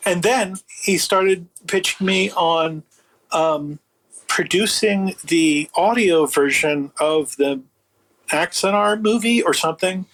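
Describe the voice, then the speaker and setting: Recorded roughly, an audio book producer speaks as an interview guest in a high-sitting voice, taking his time. He recounts events casually and animatedly, playing out quoted conversations in an incredulous, sardonic way.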